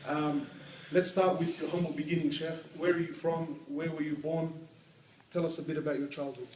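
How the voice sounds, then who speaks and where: Guy hosting an event, hyped and casual, higher voice, bit of hall noise. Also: normal speed. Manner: energetic, rallying crowd talk with slang like "bro". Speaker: host. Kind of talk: live event introduction and interview. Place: hall with an audience. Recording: roomy hall, voice picked up from a distance.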